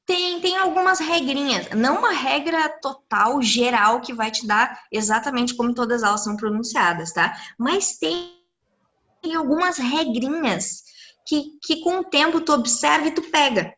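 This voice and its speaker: A woman, an English teacher explaining pronunciation rules to students in a live online class over a computer mic, lively and encouraging. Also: sits high, normal speed. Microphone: computer mic on a video call.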